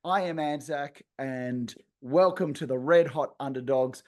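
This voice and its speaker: An Australian man hosting a sports podcast, hoarse after losing part of his voice, introducing the show like an announcer. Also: mid-range voice, measured pace. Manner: showman-style announcer intro, lots of yeah. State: hoarse, voice partly lost. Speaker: podcast host. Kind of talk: casual sports chat.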